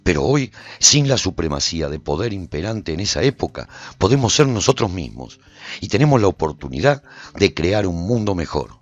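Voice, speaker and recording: A low-sitting, sing-song male voice at normal speed tells a haunted warrior's post-apocalyptic story in dramatic first person for a radio drama, solemn, brooding, theatrical and intense. There's no room sound, the highs are cut off, and soft music plays underneath.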